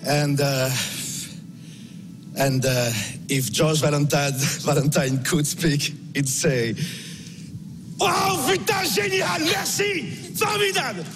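A man with a French accent giving a halting award speech in English that breaks into exuberant French. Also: fairly high pitch, big pitch swings, raised voice, music in the background. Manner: halting, then bursts out exuberantly. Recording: echoey hall from far off.

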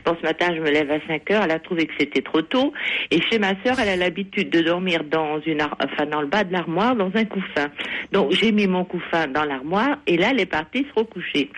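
A woman's voice: on the low side, lively intonation, a little fast, low-quality recording. A woman calling a radio show, explaining her problem in chatty detail over the phone. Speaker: caller. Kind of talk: phone-in question.

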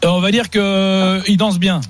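A man's voice: level tone, moderate pace, faint music behind. A man hosting a football quiz on the radio, teasing the panel in a playful way. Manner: teasing, playful, jumps into falsetto.

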